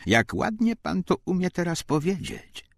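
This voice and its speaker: A man's voice: high-pitched, very animated, a little slow, gravelly, dry recording, voice pushed up, full character voice. A man voicing a haughty, mocking Nazi official questioning prisoners in a war audiobook. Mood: mocking menace.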